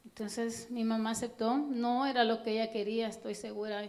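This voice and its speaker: A woman from El Salvador with a Salvadoran accent, giving an earnest, halting personal testimony at church with frequent fillers. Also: fairly high pitch, level tone, darkish tone. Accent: Salvadoran Spanish.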